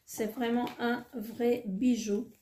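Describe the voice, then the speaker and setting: A woman's voice: fairly high pitch, flat delivery, slow pace, mellow, slight background noise. Woman vlogger, casual haul chat, gushing with lots of fillers, in a roomy echo. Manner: hesitant, many fillers, gushing. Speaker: beauty vlogger.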